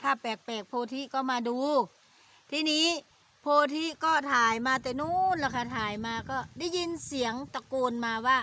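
A middle-aged Isan woman tells her viewers a story in a chatty, repetitive style, capping her phrases with polite particles. Her voice sits high and sounds bright and sharp. A faint hiss runs under the recording. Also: normal speed. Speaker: vlogger.

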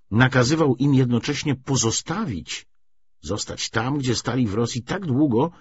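A man reading a literary audiobook in an expressive, measured, scripted narration style. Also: on the low side, breathy edge. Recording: dull, slightly muffled lo-fi audio.

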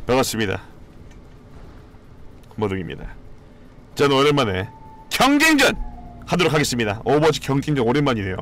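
A man streaming a competitive game, commenting live, cheering teammates and shouting and swearing as he plays. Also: mid-range voice, brisk, long pauses. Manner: excitable, shouts and swears during play; cheers on teammates with repeated calls.

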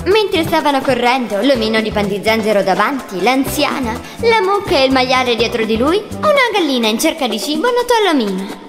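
High, lively woman narrating a children's story. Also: moderate pace. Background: music.

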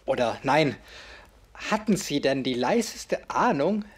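A husky, eager interviewer. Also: male voice, mid-range voice, big pitch swings, slow, exaggerated voice. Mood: curious. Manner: eager, polite. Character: eager male interviewer, polite and curious. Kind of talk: audio drama acting.

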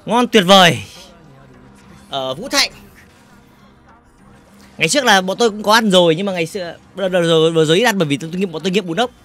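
A man with a fairly high voice hosts a casual game livestream, reading viewer comments aloud and teasing them. He jokes often and fires off repeated words in quick bursts. Faint game music plays quietly in the background. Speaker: gaming livestreamer.

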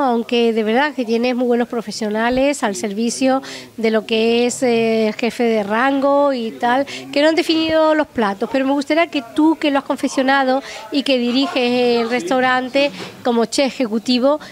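A woman's voice: high-pitched, fairly even intonation, normal speed. A middle-aged woman presenting and interviewing in a restaurant with a handheld mic, rambling and tagging her sentences with questions. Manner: rambling, chatty, tag questions. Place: small restaurant dining room, indoors.

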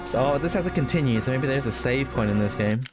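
A man's voice: mid-range voice, animated, fast talker, over music. A young man doing casual, joking let's play commentary, thinking aloud as he plays. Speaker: gaming YouTuber.

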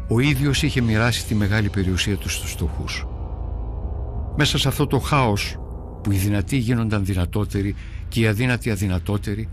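A lowish male voice, lightly acted, narrates a documentary in the role of a devout early-Christian man. He speaks earnestly in first person about his crisis of faith and difficult times, sounding prayerful and brooding.

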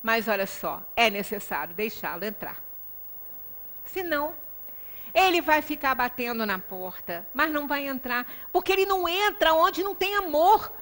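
A middle-aged Brazilian woman lectures at a Spiritist center, her voice high-pitched, expressive and fairly bright at a moderate pace. Her religious talk is explanatory and conversational, emphatic, often checking in with short tag questions. She's in a small indoor lecture room, recorded by a distant microphone in a reverberant meeting room.

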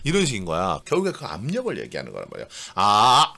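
A man's voice: low-pitched, wildly swooping pitch, very fast, creaky. A middle-aged man teaching a vocal lesson, talking bluntly and informally between sung demonstrations. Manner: blunt, informal, mixes casual and polite speech. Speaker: vocal coach.

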